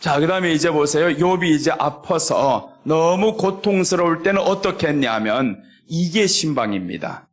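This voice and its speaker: A middle-aged male pastor delivers a sermon in a high-pitched voice. He preaches expressively, acting out quoted voices and reading scripture slowly. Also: lively intonation.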